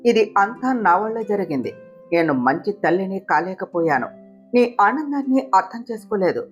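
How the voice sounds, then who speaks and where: A woman's voice: medium pitch, big pitch swings, normal speed, husky. A woman voicing a dying mother who speaks weakly and tearfully with remorse in a storybook tale. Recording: slightly dull recording, soft guitar music.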